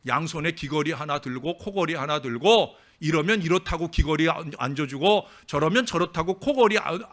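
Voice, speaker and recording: A male pastor preaching a sermon in a church, swinging between loud emphatic lines and quiet asides, and telling anecdotes with acted-out voices. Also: fairly high pitch. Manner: tells jokes as anecdotes, acting out the speakers. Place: church sanctuary.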